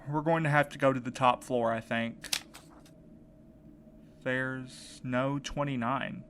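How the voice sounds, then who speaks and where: A man plays an earnest, determined man desperate to find his missing husband. His voice sits at a middle pitch and is hesitant in delivery. It is an audio drama scene with clear ambient noise behind him. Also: fairly even intonation, slow, fairly bright tone. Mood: tense, focused. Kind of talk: audio drama podcast acting. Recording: clear background noise, ambient sound bed.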